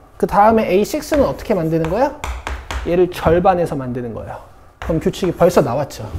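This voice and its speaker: The speech comes at a fairly quick pace over noticeable background noise. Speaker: math teacher. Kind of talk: lecture. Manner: soft, gentle today.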